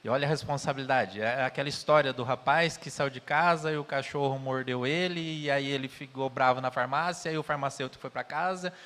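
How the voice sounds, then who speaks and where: A man with a Brazilian Portuguese accent speaks earnestly in a conversational spiritist lecture. His voice sits in a middle pitch and carries a long reverb from the hall around him. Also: brisk, few pauses, a bit bright. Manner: earnest, tells anecdotes with quoted dialogue.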